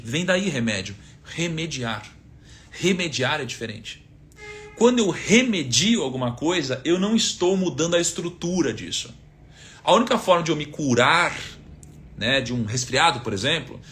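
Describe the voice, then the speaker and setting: This man's voice runs high and a bit bright, with slight background noise behind it. He is a Brazilian in his thirties, accent Brazilian Portuguese, leading a relaxed live-streamed teaching talk that ties faith to money. He talks conversationally, asking rhetorical questions and quoting scripture.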